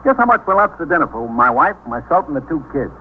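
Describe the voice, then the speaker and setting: Chatty, lively police lieutenant. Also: male voice, a little high, fast talker. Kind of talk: 1950s radio drama. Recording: tinny lo-fi 1950s radio broadcast with faint hiss.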